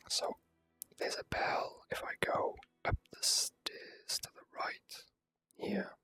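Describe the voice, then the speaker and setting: Whispering ASMR gamer, very close and soft. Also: very high voice, rough recording. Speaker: video game streamer. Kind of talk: whispered ASMR gameplay commentary.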